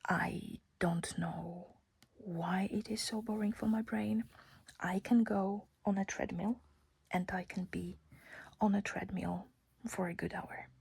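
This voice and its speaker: A woman's voice: medium pitch, steady tone, slow pace, creaky, darkish tone, slight background noise. A young woman whispering a casual personal story close to the mic, chatty and giggly.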